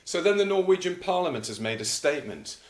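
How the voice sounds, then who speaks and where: A man presenting and reading an old news article aloud in a measured, deliberate way, with casual commentary. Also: fairly high pitch, big pitch swings, echoey room.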